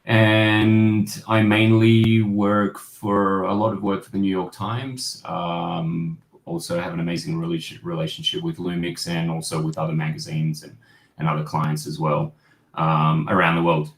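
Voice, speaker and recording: Deep-voiced man, roomy sound. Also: flat delivery, measured pace. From Australia. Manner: rambling, reflective, many fillers and restarts. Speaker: guest photojournalist. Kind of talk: casual interview storytelling. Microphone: video call. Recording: roomy home-office echo.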